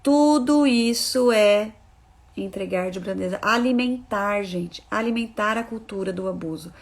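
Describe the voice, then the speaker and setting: A woman's voice: medium pitch, unhurried. A woman parenting educator giving a live talk to viewers, emphatic and repeating her key phrases as she speaks straight to her listeners.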